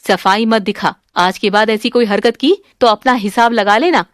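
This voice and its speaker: A woman's voice: medium pitch, moderate pace, dry recording, studio quality, lightly acted. A woman voicing a strict, commanding mother-in-law who scolds her daughter-in-law. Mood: stern.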